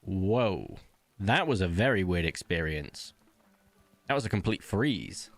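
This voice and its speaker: A man's voice: low voice, sing-song, slow pace, dry recording, faint music behind. A man hosting a casual let's-play, chatty and upbeat, rambling and laughing often at his PC desk mic. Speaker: gaming channel host.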